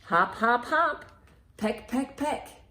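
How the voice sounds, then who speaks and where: Animated woman leading children's storytime, echoey room. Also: on the high side, slow pace. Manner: animated, encouraging, sing-song delivery for small children. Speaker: library storytime host. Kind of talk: children's storytime with songs, rhymes and picture-book reading. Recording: roomy, echoey indoor sound.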